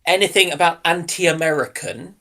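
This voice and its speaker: Bright, higher-voiced man, hesitant. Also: moderate pace, vocal fry. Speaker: panelist on a live stream. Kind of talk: casual discussion.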